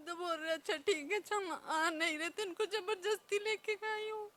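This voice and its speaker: A woman's voice: very high voice, steady tone, normal speed, fairly bright tone. A young woman gives an emotional, pleading personal testimony as a devotee, her voice breaking into tears.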